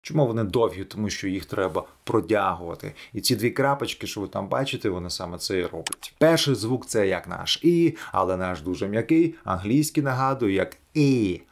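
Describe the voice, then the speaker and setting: A man teaching English pronunciation in a video lesson, demonstrating sounds slowly and clearly. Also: fairly low pitch, lively intonation.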